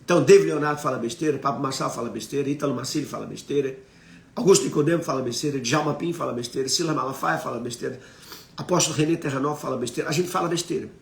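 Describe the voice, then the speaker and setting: A man's voice: medium pitch, rapid-fire, creaky, reverberant. A man with a Brazilian Portuguese accent preaching on a live stream. He teaches emphatically, asks the audience questions and reads out viewer comments.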